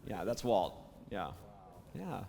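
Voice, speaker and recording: A man who is a voice actor, hoarse after days of talking, telling stories in casual panel conversation with plenty of restarts and fillers. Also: lowish voice, very animated, takes it slowly, big-room sound. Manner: warm storytelling, many restarts and fillers.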